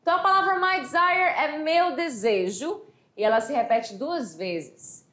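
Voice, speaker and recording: A Brazilian woman teacher giving a lively exam review lesson, chatty, slowing down to read English phrases aloud. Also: sits high, reverberant. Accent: Brazilian Portuguese. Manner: animated, chatty, reads English quotes slowly.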